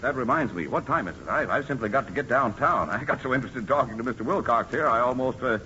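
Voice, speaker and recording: An actor as a flustered, hurrying visitor. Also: male voice, mid-range voice, lightly acted. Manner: fast, flustered. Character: hurried visiting old school friend. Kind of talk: 1940s radio comedy acting. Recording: hissy muffled old radio broadcast.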